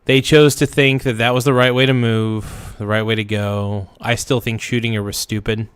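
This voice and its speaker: A man hosting a casual livestream reaction, his voice worn hoarse, rambling and loudly thanking donors. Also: medium pitch, flat delivery, normal speed, dry recording. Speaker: livestream host.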